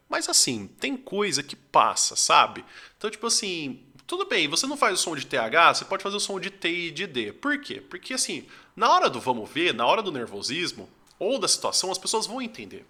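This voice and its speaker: A young man from Brazil explains his teaching in a loose, chatty lesson. His voice sits high and very bright, and his pitch moves a lot, rising and dipping as he makes his points. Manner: conversational, lots of fillers like "tipo assim". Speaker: English teacher. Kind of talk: casual talking-head lesson.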